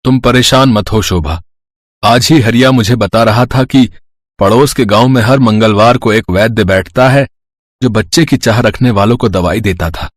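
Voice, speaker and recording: A man's voice: on the low side, moderate pace, dry recording, clean studio sound, lightly acted. A man playing a simple, caring farmer husband in a moral story cartoon, earnest and plain-spoken. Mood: reassuring.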